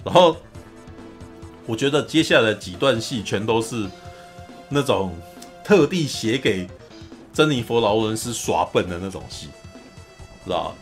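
A man hosting a podcast, recapping a film in a lively, casual storytelling way. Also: fairly low pitch, a little slow, pauses often, faint music behind. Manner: animated storyteller, often acts out quotes. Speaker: podcast host.

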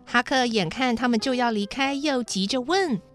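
Gentle woman reading a children's story. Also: on the high side, normal speed, soft background music.

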